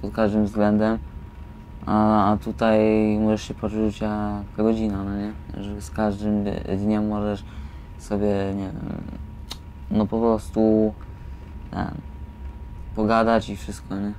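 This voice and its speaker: A young man speaks slowly in a lowish, extremely flat voice. He hesitates and breaks his casual phrases up, with faint noise behind. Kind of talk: casual personal account. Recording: some steady background noise.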